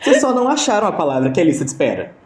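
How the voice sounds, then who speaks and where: A man's voice: a little high, sing-song, racing, echoey room, heavy background noise. A young Brazilian man telling a story in a casual interview, hesitant, with many restarts and fillers, over a video call. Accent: Brazilian Portuguese. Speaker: interview guest.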